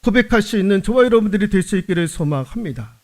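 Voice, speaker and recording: A male pastor preaching at a Wednesday prayer service. He asks the congregation rhetorical questions with emphasis and drops to a soft, low voice for confessional prayers. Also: expressive, fast.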